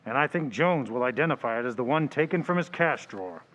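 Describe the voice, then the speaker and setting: A man's voice: mid-range voice, lively intonation, fast talker, fairly bright tone, highs cut off, close to an everyday voice. A man playing a no-nonsense, authoritative police detective sergeant in an old-time radio drama. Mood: stern, businesslike. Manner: curt, authoritative, slangy.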